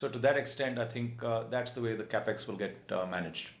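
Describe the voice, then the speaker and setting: A male executive speaks in an echoey, slightly dull conference-call recording. His mid-pitched voice explains business matters in a measured way, often halting as he searches for the next phrase. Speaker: telecom company executive. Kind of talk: earnings call answers.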